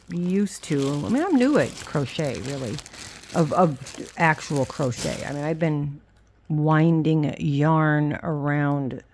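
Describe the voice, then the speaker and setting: A woman's voice: sits low, darkish tone. A woman chatting casually and candidly through a rambling craft show-and-tell, self-deprecating, with a whistle on her s sounds. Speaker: craft vlogger.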